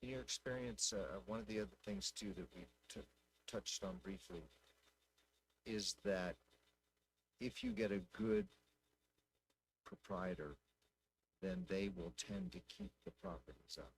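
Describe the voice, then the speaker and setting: A man speaking informally at a public council meeting, thinking out loud in a folksy, conversational way. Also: on the low side, big pitch swings, measured pace, vocal fry, pauses often, slight background noise, low-quality recording. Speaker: city council member.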